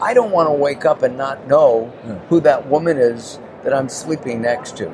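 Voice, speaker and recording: A man's fairly high-pitched voice comes through noticeable background noise. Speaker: radio host. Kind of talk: interview. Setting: trade show floor.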